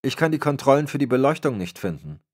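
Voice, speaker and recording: A man's voice: mid-range voice, big pitch swings, quick pace, pitched above the performer's own voice. A man voicing a formal, fussy AI assistant program in an audiobook. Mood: puzzled. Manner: precise, formal.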